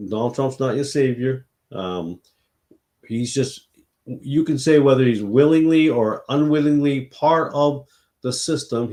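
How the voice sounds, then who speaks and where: A man's voice: mid-range voice, warm tone. A man hosting a late-night Christian livestream, congested and tired, rambling with many fillers and restarts.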